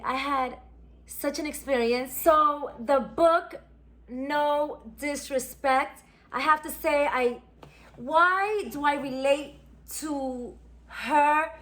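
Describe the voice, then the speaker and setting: A woman's voice: high voice, fairly bright tone. A woman, chatting casually and reminiscing as she unboxes a subscription box. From New York. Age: 40s. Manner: chatty, reminiscing, musing aloud. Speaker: beauty vlogger.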